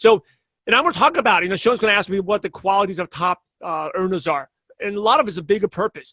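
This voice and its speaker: A man speaks in a raised, projected voice with a New York accent, at a very fast pace and a high pitch. His tone is bright and sharp, his pitch variation ordinary, and the sound is dry and close with no echo. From US Northeast, Brooklyn, New York. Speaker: network marketing trainer. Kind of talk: webinar talk. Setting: webinar call. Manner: passionate, direct.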